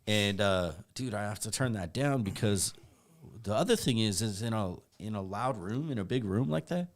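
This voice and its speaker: Laid-back low-voiced man DJ chatting. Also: lively intonation, normal speed. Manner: laid-back, laughs often, says man and bro. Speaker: DJ and podcast co-host. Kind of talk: casual chat. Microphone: studio microphone with processing.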